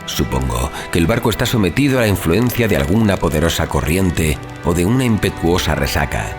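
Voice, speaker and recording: A man narrating a horror audiobook in a measured, solemn, theatrical manner, as a dramatic scripted reading. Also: low-pitched, animated. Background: music.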